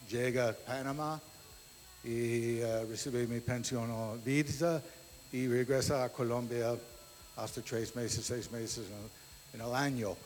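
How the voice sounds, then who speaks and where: A man giving a testimony in a church hall, his speech slow and unhurried. He gropes for words in imperfect Spanish, filling gaps with "eh", while a long reverb trails behind him. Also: mid-range voice, steady tone. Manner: slow, searching for Spanish words, many fillers. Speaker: guest church member. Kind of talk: halting testimony in a second language. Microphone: handheld microphone.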